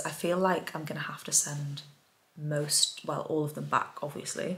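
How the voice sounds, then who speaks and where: Over noticeable background noise, a woman talks quietly in a very deep, low pitch, her tone relaxed, her pace fairly slow and her intonation fairly even. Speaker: lifestyle vlogger. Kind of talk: casual vlog talk to camera. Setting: at home, garden and indoors. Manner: relaxed, chatty; quiet, low voice late in evening.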